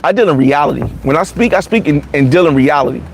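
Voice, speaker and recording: Forty-something man, high-pitched, blunt and repetitive vlogger, faint street noise behind. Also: animated, quick pace, rough recording. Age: 40s. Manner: blunt, repetitive, many restarts. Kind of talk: casual livestream chat reading comments.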